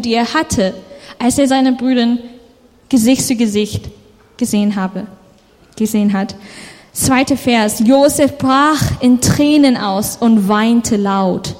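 A woman preaches a sermon in a high voice, taking her time over each verse. She turns often to speak directly to the listener. Her words ring out with a long reverb, as if in a large hall. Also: a little slow, a little mellow.

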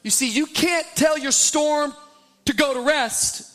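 A man preaching a sermon in a church, dramatic, acting out scenes and sometimes shouting, with pauses for an interpreter. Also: very high-pitched, faint music behind. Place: large church hall. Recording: echoey hall.

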